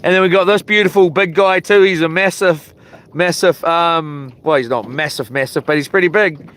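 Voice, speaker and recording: A man's voice: fairly high pitch, normal speed, fairly bright tone. A man with a broad New Zealand accent, chatting casually and rambling along as he hosts a fishing livestream from a boat. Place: outdoors on a small boat. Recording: clear outdoor boat and water noise.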